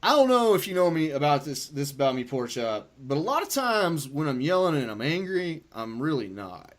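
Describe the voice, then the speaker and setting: Guy on a podcast swearing his way through a long story, kinda high voice. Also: normal speed. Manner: profane, animated, rambling storyteller. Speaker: podcast host. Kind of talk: casual storytelling chat.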